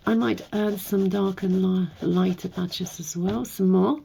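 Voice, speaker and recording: A woman with a slightly hoarse, croaky voice hosts a painting tutorial, chatting and thinking aloud as she works. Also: mid-range voice, fairly even intonation, unhurried, warm tone, slight background noise. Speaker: art tutorial host. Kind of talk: casual painting tutorial narration.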